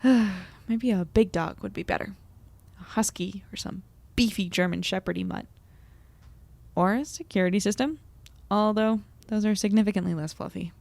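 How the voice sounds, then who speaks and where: A woman's voice: medium pitch, moderate pace, vocal fry, a little mellow, no room sound, natural voice. A woman in her twenties playing an anxious, wry young reporter rambling into an audio diary in a casual, self-deprecating way. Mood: wry, uneasy. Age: 20s. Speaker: narrator and lead character. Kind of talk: audio drama diary monologue, casual and conversational.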